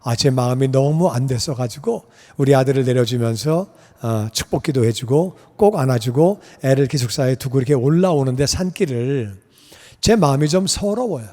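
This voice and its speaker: A middle-aged man, a pastor and missionary, preaching a sermon and telling a personal story with animated, acted-out dialogue. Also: medium pitch, moderate pace. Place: church sanctuary. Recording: long church hall reverb.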